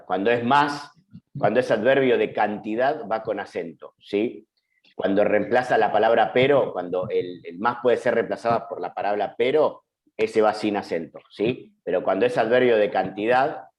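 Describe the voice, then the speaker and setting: A man's voice: on the low side, lo-fi sound. Man teaching a patient online class. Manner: patient, explanatory, checks in with frequent "¿sí?". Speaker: journalism teacher. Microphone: computer mic on a video call.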